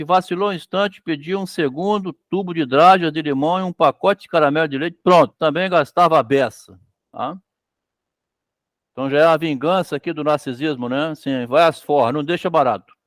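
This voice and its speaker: A Brazilian-accented man with a slightly high voice gives a brisk literature lecture built around a story he reads aloud, breaking off to explain and acting out the characters' speech. "Né?" comes up frequently. The sound is clean studio audio without room tone.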